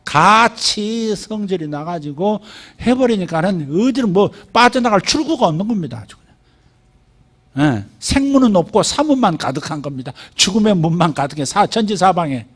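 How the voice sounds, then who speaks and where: A middle-aged man preaching a sermon as pastor, animated, acting out quoted speech in a rising voice. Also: high voice, moderate pace.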